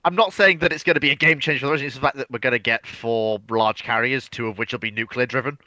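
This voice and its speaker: A man with a bright, forward voice and mid-range pitch talks casually on a live panel. He probes with questions and restarts often, on a very dry recording. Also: fairly even intonation, quick pace, no echo, rough recording.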